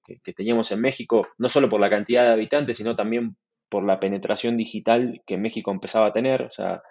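Argentine man speaking low on a call. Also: muffled recording. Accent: Argentine Spanish. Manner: relaxed, fluent, many restarts and fillers. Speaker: guest, startup manager. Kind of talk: conversational interview.

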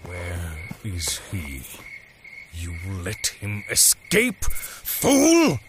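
A man playing the cruel, pompous master of a dark carnival in an audio drama, speaking in grandiloquent commands. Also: deep voice, wildly swooping pitch, drawn-out words, a little hiss or hum, full character voice. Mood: commanding anger.

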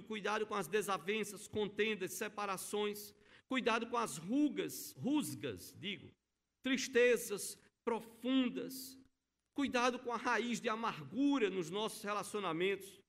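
A man's voice: sits high, fairly bright tone. A middle-aged male pastor, preaching a sermon in a church and telling stories with emphatic, acted-out quotes. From Brazil. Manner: storytelling, acting out quoted voices, emphatic. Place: church sanctuary.

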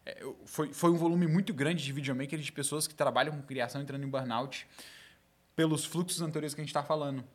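A man, a videomaker guest, telling animated stories in a casual podcast chat and swearing casually. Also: fairly high pitch, quick pace.

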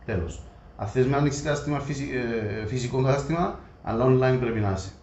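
A man's voice: medium pitch, darkish tone. A man with a Greek Cypriot accent in casual, colloquial discussion, explaining his views conversationally. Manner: colloquial, acts out imagined customer dialogue. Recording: echoey room, muffled, faint noise.

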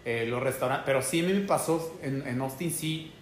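A man's voice: medium pitch, moderate pace, roomy sound, a little hiss or hum. A man from Oaxaca with a Mexican Spanish accent, chatting casually on a podcast in a slangy way. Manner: slangy, peppers talk with "güey". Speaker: podcast host.

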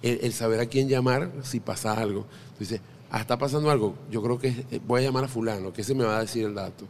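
Talking fast in a mid-range, darkish voice with vocal fry, this middle-aged Venezuelan podcast guest spins joking anecdotes in a casual interview, frequently restarting his sentences. Some faint hiss or hum sits underneath.

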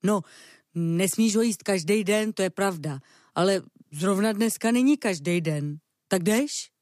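A woman's voice: medium pitch, darkish tone, no room sound, studio quality, close to an everyday voice. A woman voicing a cheerful, greedy male dog who chats and boasts in a children's storybook reading. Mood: chatty. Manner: chatty, boastful.

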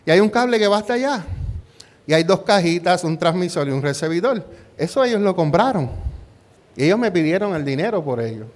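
A man's voice: high-pitched, sing-song, fairly quick. A middle-aged male pastor preaching a conversational sermon built around a personal story. He keeps asking rhetorical questions, tags his points with "¿verdad?", and slips English words into his Spanish.

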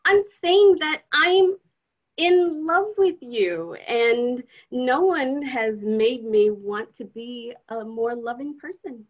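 An actress playing a young woman in grad school who interviews and gently teases the man she loves. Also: on the high side, slow pace, lo-fi sound. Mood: earnest. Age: young adult. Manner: lively, probing, gently mocking.

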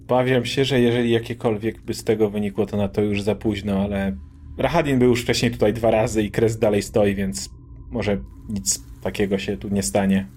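Grieving middle-aged mayor, played by a man, subdued, hesitant, soft-spoken. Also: lowish voice, steady tone, normal speed, a little hiss or hum, natural voice.

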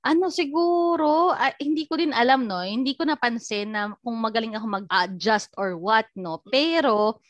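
A woman telling a personal story as a podcast guest, animated and acting out the lines she quotes. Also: a little high, moderate pace, no room sound, lo-fi sound. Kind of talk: casual storytelling interview.

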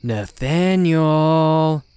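A man's voice: medium pitch, lively intonation, unhurried, no echo, close to an everyday voice. A man voicing a taunting demon that speaks through a possessed young woman, with a mocking, theatrical manner and archaic turns of phrase.

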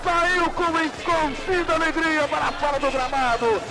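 High-pitched Brazilian man, explosive goal commentary. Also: over loud music, rough recording. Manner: drawn-out, repeated goal calls. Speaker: football play-by-play commentator.

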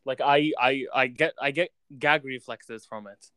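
A young man in a casual chat, reacting quickly and speaking bluntly with plenty of swearing. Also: mid-range voice, pushed and bright, smooth, no room sound.

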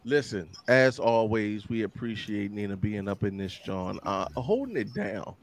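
A man's voice: lowish voice, animated, moderate pace, slight background noise. A man hosting a podcast, introducing guests with loose, profane banter. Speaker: podcast host. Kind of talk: casual podcast chat.

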